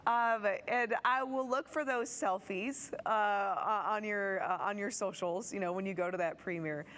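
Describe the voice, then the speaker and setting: A woman's voice: medium pitch, normal speed, fairly bright tone. Enthusiastic female TV host. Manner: enthusiastic, gushing. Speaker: TV show host. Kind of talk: broadcast interview.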